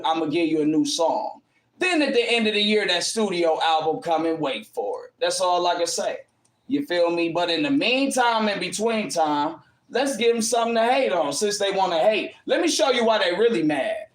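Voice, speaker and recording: High-voiced boastful man, African American English accent. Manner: boastful, defiant, repeats himself for emphasis. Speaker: rapper. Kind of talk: casual hype talk to followers. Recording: roomy echo.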